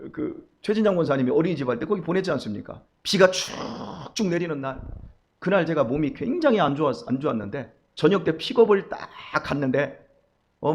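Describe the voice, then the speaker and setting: A middle-aged man preaching a dawn sermon, telling stories and acting out the voices of the people in them. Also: a little high. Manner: storytelling, animated, acts out quoted voices. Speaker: pastor.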